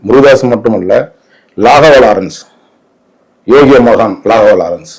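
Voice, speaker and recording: A man's voice: on the low side, measured pace, low-quality recording. Indignant Tamil Nadu man, emphatic talker. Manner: emphatic, indignant, with rhetorical questions. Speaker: interview guest giving commentary. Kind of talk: opinionated interview talk.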